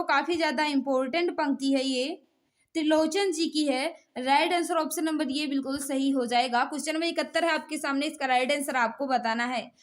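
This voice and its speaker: Female Indian teacher, high-pitched, for exam quiz lesson; instructional delivery that keeps prompting students to answer. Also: fairly bright tone. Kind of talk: live exam quiz lesson, reading questions and giving answers.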